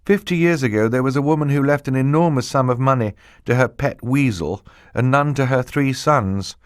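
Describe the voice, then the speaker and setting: A man's voice: mid-range voice, normal speed, clean tone, no room sound, clean studio sound, voice pushed up, close to an everyday voice. A man voicing a clever, worried teenage girl in an audiobook, speaking earnestly and uncertainly. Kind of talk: audiobook character voice.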